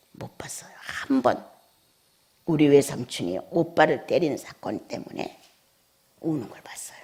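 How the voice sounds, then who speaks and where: A woman's voice: a bass voice, warm tone. A middle-aged woman preaching a Sunday sermon. She tells a personal story dramatically, drops into whispers, then builds to fervent exhortation.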